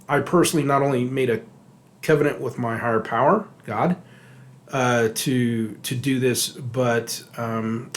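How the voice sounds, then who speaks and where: A middle-aged man from Texas, a recovery therapist co-hosting a podcast, talking casually with many fillers, restarts and repeated words. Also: medium pitch. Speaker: podcast co-host, addiction therapist.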